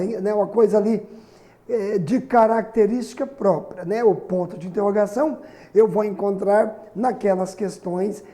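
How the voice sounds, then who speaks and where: A man's voice: sits high, mellow. A Brazilian man teaching a recorded grammar lesson, chatty, with frequent tag questions and fillers. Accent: Brazilian Portuguese.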